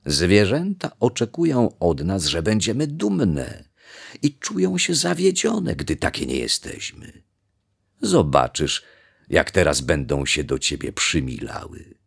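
A man's voice: sits low, sing-song, takes it slowly, creaky, husky, full character voice. A man voicing a proud, stern father peacock who scolds his son in a children's story. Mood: lecturing. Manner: scolding, shouting.

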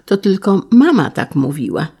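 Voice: mid-range voice, big pitch swings, moderate pace, a little mellow, breathy edge, voice pushed up. A narrator voicing a shy orphaned schoolboy who speaks hesitantly and earnestly in an audiobook. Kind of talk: audiobook character reading.

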